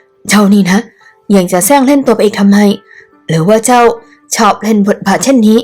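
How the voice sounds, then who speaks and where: A woman voicing a young male emperor who teases and then comforts, speaking slowly and softly. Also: mid-range voice, soft background music, natural voice. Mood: teasing.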